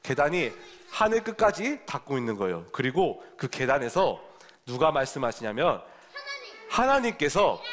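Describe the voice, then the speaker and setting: A man's voice: mid-range voice, fairly bright tone. A man preaching a children's sermon in a church service, telling the story with animation and asking the children questions.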